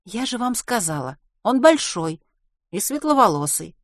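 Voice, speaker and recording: A woman reading an audiobook and voicing a shy, wry eighteen-year-old girl who speaks hesitantly and teases gently. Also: on the high side, very animated, a little slow, dry recording, studio quality, voice pushed up.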